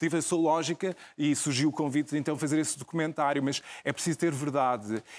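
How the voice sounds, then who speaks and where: On a very clean recording with a silent background and a dry, close sound with no echo, a man at a fairly high pitch talks at a very fast pace with very even loudness and fairly even intonation. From Brazil. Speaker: documentary filmmaker. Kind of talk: interview.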